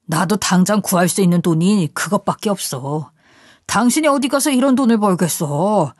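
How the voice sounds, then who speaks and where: A woman's voice: medium pitch, animated, moderate pace, husky, no echo. A woman voicing a manipulative, threatening husband in an audio story, coaxing and menacing by turns, recorded dry and close. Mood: bargaining.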